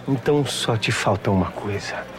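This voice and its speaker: An actor playing a calm, gentle male teacher in a dramatized Bible scene, speaking in a measured, instructive way. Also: fairly low pitch, lightly acted. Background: music.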